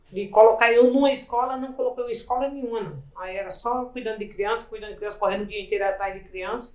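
A woman talks at a very fast pace with a fairly high pitch. Noticeable background noise is present. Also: hardly any pauses, big swings in loudness. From Ceará backcountry, Brazil. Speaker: podcast host's mother, storyteller. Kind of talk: personal life story interview.

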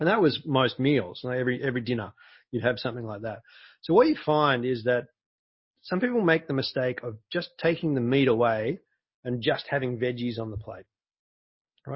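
Somewhat breathy male voice with an Australian accent, medium pitch, ordinary pitch variation, and a moderate pace. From Australia, Melbourne. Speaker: podcast co-host. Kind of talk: casual chat. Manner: hesitant, many fillers and repeats.

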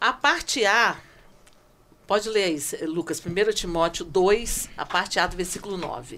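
A woman talks at a fairly slow pace and medium pitch with lively intonation. Her tone is bright and sharp. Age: 50s. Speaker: church women's leader and Sunday school teacher. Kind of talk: casual chat.

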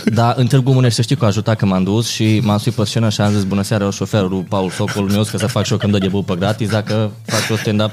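A man's fairly low voice in a Transylvanian accent, very fast with hardly any pauses, fairly even intonation, very even loudness, and noticeable background noise. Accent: Transylvanian Romanian. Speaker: stand-up comedian. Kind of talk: casual chat.

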